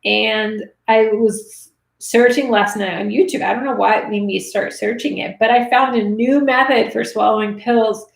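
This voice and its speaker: A woman in her thirties hosting a casual livestream, chatting and reading viewer comments, her voice going raspy. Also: fairly high pitch, fairly even intonation, normal speed. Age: 30s. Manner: chatty, reads viewer comments, many fillers. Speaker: livestream host answering money questions. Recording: roomy echo.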